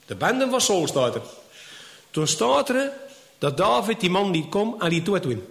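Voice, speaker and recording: Guy preaching bible stories, high voice all over the place, echoey room, keeps going "hè?". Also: sing-song, a little slow, creaky. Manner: retells scenes in acted voices, with frequent "hè?" tags. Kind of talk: Bible teaching, retelling a story.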